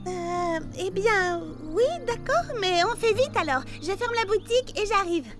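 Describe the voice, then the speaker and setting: A woman's voice: very high-pitched, lively intonation, measured pace. A woman voicing a proud, overworked young girl shopkeeper, flustered and emphatic, in a French children's cartoon. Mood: flustered, hurried. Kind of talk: French animated children's dub. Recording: background music under dialogue.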